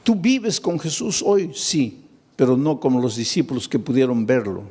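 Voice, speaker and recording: A man's voice: medium pitch, big pitch swings, normal speed, darkish tone, breathy edge. A man preaching a sermon, telling a Bible story with acted-out dialogue and rhetorical questions to his listeners. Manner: dramatic storytelling, acting out biblical dialogue; asks the audience rhetorical questions.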